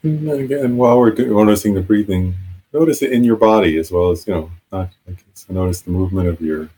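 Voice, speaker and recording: A man leading a guided meditation as a teacher, giving gentle, halting, unscripted instructions with long pauses. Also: lowish voice, breathy edge, rough recording.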